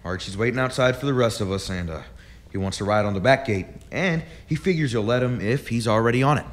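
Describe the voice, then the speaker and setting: An actor playing a dutiful, deferential eldest son of a frontier family in a radio drama, hesitant and obedient. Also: male voice, mid-range voice, fast, natural voice. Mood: matter-of-fact.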